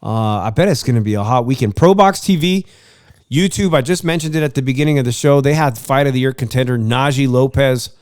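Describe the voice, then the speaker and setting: A man's voice: medium pitch, a little fast, a little mellow, clean tone, no room sound, clean studio sound. A congested man hosting a sports podcast, chatting casually about baseball and boxing, rambling with many uhs and restarts.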